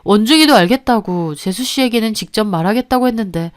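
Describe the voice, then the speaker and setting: A woman voicing a calm male doctor friend who explains things politely in a radio-style story. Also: mid-range voice, fast talker, no echo, clean studio sound, close to an everyday voice.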